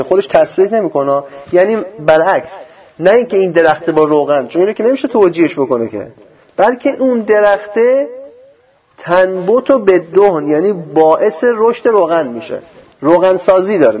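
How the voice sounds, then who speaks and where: A man gives a religious lecture on scripture in a slightly high voice. He chants quoted verses slowly and explains them with a sarcastic, argumentative edge. The recording sounds dull and lo-fi. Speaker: religious teacher.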